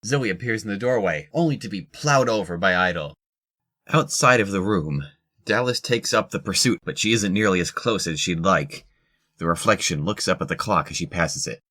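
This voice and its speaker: Low-voiced male narrator. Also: bright, forceful tone. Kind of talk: scripted audio drama narration.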